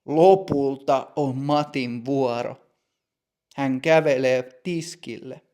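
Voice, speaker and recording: A man narrating a simple story in a slow, measured way for language learners. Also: fairly high pitch, darkish tone. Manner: clear, measured.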